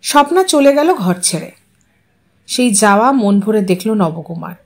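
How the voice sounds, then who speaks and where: A woman narrating a short story as an audiobook, in a measured, expressive reading. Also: medium pitch.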